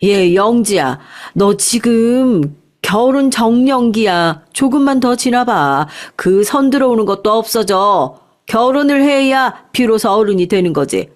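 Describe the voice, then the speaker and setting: A woman's voice: a little high, lively intonation, measured pace. A woman voicing a middle-aged mother who insistently nags her daughter to marry. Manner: insistent, scolding. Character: nagging middle-aged mother pushing marriage.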